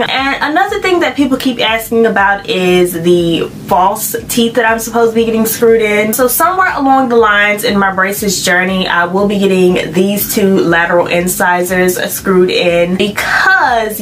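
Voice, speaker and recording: A woman's voice: mid-range voice, moderate pace, hardly any pauses, a bit bright, a little hiss or hum, rough recording. A woman vlogger speaking with braces on, chatting casually to her viewers and calling them "you all" and "honey.". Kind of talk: casual vlog update.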